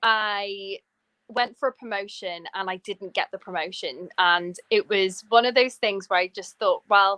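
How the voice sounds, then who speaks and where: In a Welsh accent, a woman speaks at a medium pitch in a bright, sharp tone with fairly even intonation. Her fairly slow delivery has a dry, close sound with no echo. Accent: Welsh twang. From West Wales. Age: 30s. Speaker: business coach and entrepreneur. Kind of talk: podcast interview.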